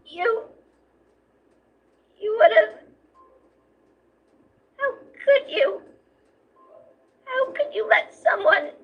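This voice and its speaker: Very high, timid childlike skeleton boy. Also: lively intonation, drawn-out words, long pauses, narrow, tinny audio, heavily acted. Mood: hurt, tearful. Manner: pleading, emotional. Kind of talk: animated comic dub acting.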